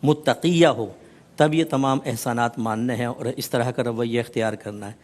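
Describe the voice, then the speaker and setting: A male religious scholar explains his teaching on a television talk show. He speaks in a measured way and builds rhythmic lists of points. His mid-range voice is sprinkled with English words. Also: medium pitch, fairly even intonation, darkish tone.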